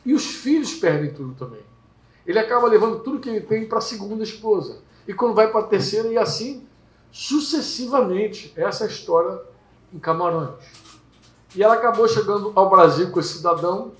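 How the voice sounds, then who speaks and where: A man preaching at a small home gathering, telling stories lively and acting out characters. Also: high voice, brisk. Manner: lively storytelling, acts out characters. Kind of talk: sermon. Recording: echoey room.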